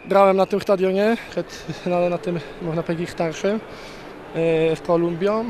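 A man in his forties, a former footballer, giving a relaxed outdoor interview with some stammered restarts. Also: high-pitched, normal speed. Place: outdoors on a stadium pitch. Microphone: handheld reporter microphone. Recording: clear stadium background noise.

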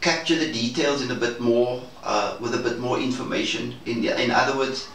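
A man speaking in a measured, hesitant and formal way in a reflective debrief conversation. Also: medium pitch, fairly even intonation, fairly bright tone. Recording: roomy, distant mic, faint noise.

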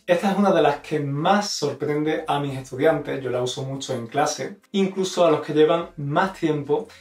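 A man's voice: fairly high pitch, moderate pace, a little mellow, echoey room, distant mic, soft background music. A man from Spain with a Spanish accent, explaining expressions in a video lesson and carefully modeling intonation. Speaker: Spanish teacher.

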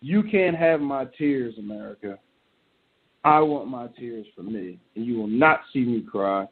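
A male talk show host riffs in a loose, joking rant full of slang. His voice sits at an ordinary middle pitch. The sound is thin and tinny, like it comes down a phone line. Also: lively intonation, unhurried. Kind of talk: casual solo commentary.

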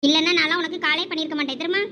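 A woman's voice: high-pitched, fairly even intonation, rapid-fire, noisy background, lightly acted. A woman in a village comedy skit, voicing an annoyed young girlfriend who sulks at her boyfriend. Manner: annoyed, sulking.

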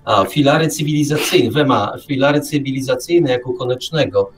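A man's voice: medium pitch, brisk, distant mic, soft background music. A man hosting a live radio talk, musing discursively, repeating and rephrasing himself and posing rhetorical questions. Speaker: radio show host. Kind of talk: casual live talk, reflective monologue.

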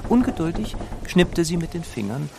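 A man narrating a scripted children's story in an expressive, deliberate storytelling manner. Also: a little high, creaky, noisy background. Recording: studio narration over music. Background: music.

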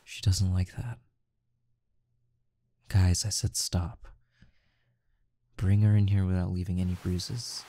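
Low, slow, gravelly mafia boss, acted by a man. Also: flat delivery, slight background noise. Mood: cold, threatening. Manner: slow, menacing, softly coaxing, with deliberate pauses. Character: intimidating, smooth-talking mafia boss, calm and teasing. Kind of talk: ASMR boyfriend roleplay.

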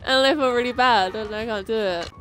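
A woman giving casual gameplay commentary, jumpy and quick to laugh, swearing often. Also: fairly high pitch, a bit bright, soft background music. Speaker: gamer.

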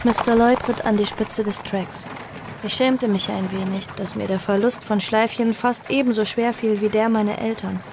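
A woman playing a young survivor who tells her own story in an audio drama, earnest, sorrowful and measured. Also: medium pitch, steady tone, noisy background, close to an everyday voice. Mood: measured, wistful. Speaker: narrator and protagonist. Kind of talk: audio drama first-person narration.

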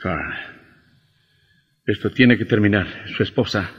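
An actor playing a grim, insistent vampire hunter who lectures sternly in an old radio drama. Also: male voice, fairly low pitch, measured pace, a bit bright, husky. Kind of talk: vintage radio drama acting. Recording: muffled old radio recording with reverb.

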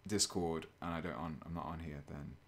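Male streamer, deep and even, relaxed chatty delivery at a painting desk. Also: a little fast, slight background noise. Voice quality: low, fairly monotone voice. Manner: relaxed, chatty, chuckles often, reads chat aloud. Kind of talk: casual live stream chat while painting.

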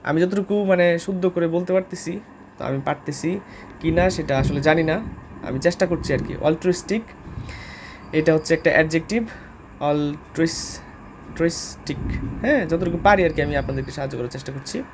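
Bangladeshi guy teaching english words, bit high voice, lots of uhs, faint hiss behind. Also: fast. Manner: informal and hesitant, frequent "uh" fillers, spells words out letter by letter. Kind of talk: casual spoken vocabulary lesson.

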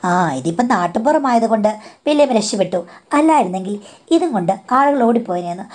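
A woman's voice: fairly high pitch, lively intonation, fast talker, darkish tone. A woman in her forties telling a first-person story in a chatty way, acting out the dialogue.

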